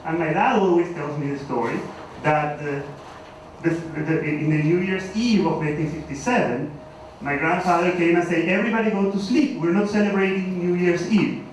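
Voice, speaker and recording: A man with a Venezuelan Spanish accent talks at a conference in a hesitant, self-deprecating manner, full of fillers and restarts. His voice sits a little high for a man. He is picked up from a distance in a very echoey hall, with a faint hiss behind him. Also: normal speed. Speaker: conference speaker. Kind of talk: academic talk.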